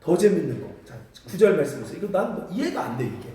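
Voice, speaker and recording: Animated pastor preaching in a hall. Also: male voice, fairly high pitch, quick pace. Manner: animated storytelling, acts out voices. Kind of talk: sermon with congregation responses. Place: church sanctuary. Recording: echoey church hall from far off.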